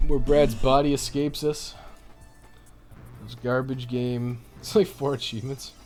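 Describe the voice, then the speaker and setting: A man's voice: medium pitch, little pitch movement, measured pace, darkish tone, faint music behind. A Canadian man chatting casually and irreverently on a video game live stream, rambling and swearing freely.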